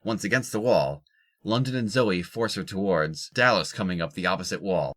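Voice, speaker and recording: A man's voice: sits low, normal speed, a bit bright. A man reading scripted narration for an audio drama.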